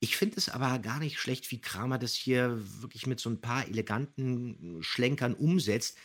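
A man's voice: medium pitch, moderate pace. A man hosting a podcast, giving conversational commentary on audio dramas. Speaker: podcast host.

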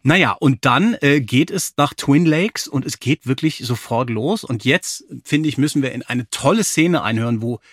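A man's voice: mid-range voice, lively intonation, moderate pace, hardly any pauses, husky, dry recording, clean studio sound. A man hosting a podcast, chatting and recapping in an enthusiastic, casual way. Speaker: podcast host.

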